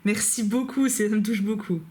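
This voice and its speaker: A female YouTuber talks warmly to camera from her home couch, a dog close by, as she goes through fan mail. Her mid-range voice keeps a steady tone at a moderate pace, though her chatter stays bubbly and full of fillers and side comments.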